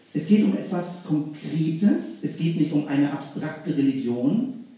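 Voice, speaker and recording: In a room with audible echo, a man speaks fairly slowly in a fairly high voice. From Hamburg, northern Germany. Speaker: pastor. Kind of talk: sermon. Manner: hesitant with fillers.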